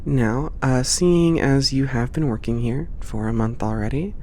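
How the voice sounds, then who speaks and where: A performer with a mid-pitched voice playing a calm, supportive space port boss in a one-sided roleplay, reassuring and softly professional. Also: unhurried, slight background noise, close to an everyday voice. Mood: encouraging. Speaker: ASMR roleplay voice actor.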